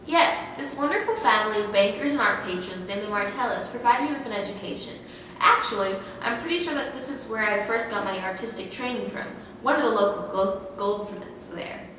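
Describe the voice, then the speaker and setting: A woman's voice: mid-range voice, a little fast, a bit bright, close to an everyday voice. A woman playing a friendly, self-assured male Renaissance sculptor, speaking plainly in a school-style historical skit. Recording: echoey hall from far off, noisy.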